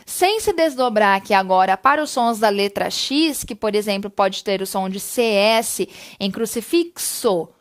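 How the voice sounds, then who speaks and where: A woman teaching a recorded spelling lesson. She explains step by step, often checks in with the listener and slows down on example words. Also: mid-range voice, lively intonation.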